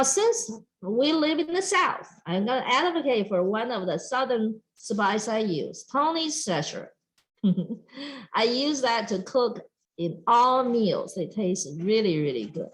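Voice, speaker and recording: A woman's voice: on the high side, low-quality recording. A middle-aged woman from Taiwan with a Taiwanese accent, giving a chatty, emphatic cooking demonstration at a farm workshop. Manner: lively, chatty, emphatic, talks straight to the audience with frequent "okay?". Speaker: extension educator.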